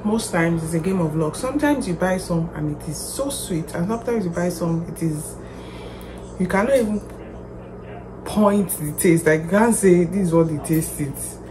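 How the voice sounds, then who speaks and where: Female vlogger, lowish register, chatty and informal, thinking out loud over audible ambient noise. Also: animated, moderate pace. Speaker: lifestyle vlogger. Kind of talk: casual vlog chat to viewers. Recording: clear background noise.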